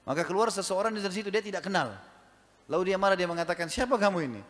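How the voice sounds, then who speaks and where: A man preaches a storytelling sermon to a gathered audience and keeps turning to them with questions. His voice sits fairly high for a man. It rings out with a long reverb, as if it fills a large hall. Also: fast talker, a bit bright.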